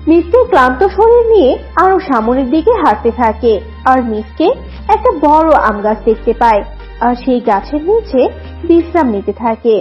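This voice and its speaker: A woman's voice: high voice, sing-song, moderate pace. A woman narrating a scripted cartoon story. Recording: dull lo-fi audio, music behind.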